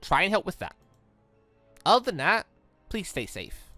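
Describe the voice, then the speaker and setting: With game music running, a casual let's play host narrates visual novel dialogue and muses aloud, often going back over and rephrasing his words. His voice is mid-range with huge pitch swings, unhurried, and there's no echo.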